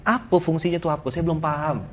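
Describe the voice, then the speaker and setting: A middle-aged male preacher gives a humorous sermon with a Pontianak Malay accent. His voice sits a little high for a man, and he jokes and teases as he tells his stories. Faint noise hums behind him. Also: quick pace. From Pontianak, Indonesia. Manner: joking, teasing, lively storytelling to a congregation.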